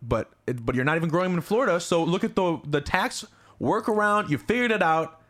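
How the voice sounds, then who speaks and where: A young man hosts a comedy podcast, his voice sitting a touch high and swinging widely as he gets excited. He teases his guest and swears freely in loose, joking chat. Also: fairly quick. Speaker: podcast host.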